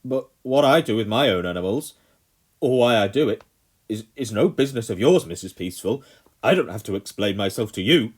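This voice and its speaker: A man's voice: on the low side, expressive, a little fast, breathy edge, voice pushed up. A man doing a ranting, furious old colonel. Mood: indignant. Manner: shouting, ranting. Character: pompous older male colonel, furious landowner.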